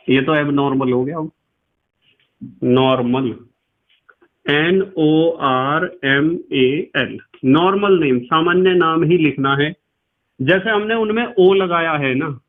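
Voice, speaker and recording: A man teaching a chemistry class. He talks patiently, repeats key terms and spells words out letter by letter. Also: fairly high pitch. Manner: addresses students as "beta". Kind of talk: classroom lecture to students. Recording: tinny, phone-like recording.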